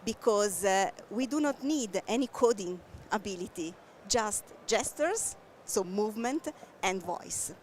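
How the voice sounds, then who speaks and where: A woman from Italy with an Italian accent, a native Italian speaker, explaining her company's technology in a trade show interview, with many pauses and fillers. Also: mid-range voice, expressive, a little mellow, slight background noise. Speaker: tech company guest. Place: busy trade show floor. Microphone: headset.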